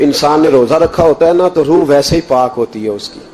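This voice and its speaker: A man's fairly high voice over noticeable background noise. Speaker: Islamic preacher giving a sermon. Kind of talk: emotional religious sermon (bayan) with storytelling. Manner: emotive, dramatic, passionate delivery.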